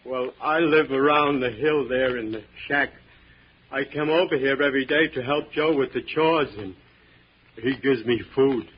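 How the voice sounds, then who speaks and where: A man's voice: mid-range voice, moderate pace, husky, close to an everyday voice. An actor playing a simple, fearful country handyman with hesitant rustic speech in an old radio thriller. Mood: meek, hesitant. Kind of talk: 1940s radio thriller acting. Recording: muffled old radio recording.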